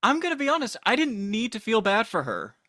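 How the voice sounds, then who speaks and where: A man speaking as a podcast guest in casual chat, expressive and playful. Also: very high-pitched, a little fast, dry recording, clean studio sound.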